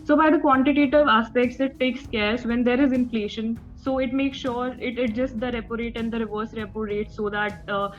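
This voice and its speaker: A woman's voice: on the high side, steady tone, normal speed, few pauses. A young woman with an Indian accent answering as a candidate in a formal interview, nervous, hesitant and deferential. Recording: dull band-limited audio with background music.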